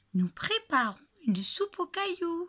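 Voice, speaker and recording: Using a put-on character voice, a woman speaks at a moderate pace at an extremely high pitch. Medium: read story.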